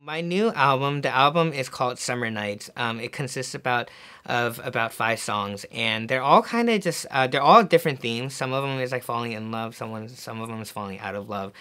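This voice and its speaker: A young man born in Korea, talking casually in an interview in a music studio, relaxed and full of fillers and little laughs. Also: mid-range voice, brisk. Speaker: singer-songwriter. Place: music studio with mixing console.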